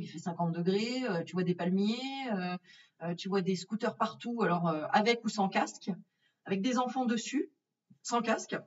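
A woman's voice: mid-range voice, far from the mic. A French woman recounts her trip in a loose, chatty storytelling voice, full of fillers and little acted-out asides. She sits back from the microphone, and the sound is dull and lo-fi. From France. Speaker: vlogger. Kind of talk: casual storytelling.

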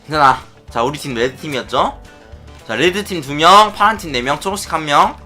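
A man giving excitable play-by-play commentary on his Minecraft minigames, often chanting and shouting as he plays. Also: on the high side, a little fast, soft background music. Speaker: gaming YouTuber.

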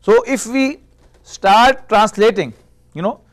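A middle-aged man whose native tongue is Urdu explains language structure in a steady, patient teaching voice that sits noticeably high. He often pauses to pose rhetorical questions to his students. He is recorded close on a lapel mic in a small classroom. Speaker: Arabic teacher. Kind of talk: classroom lecture.

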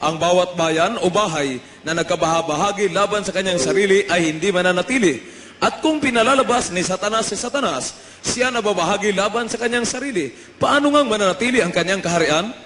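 A Filipino man with a Filipino accent, reading a Bible passage aloud in a steady, formal way during a church service. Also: sits high, brisk. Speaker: scripture reader. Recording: roomy church echo, faint noise.

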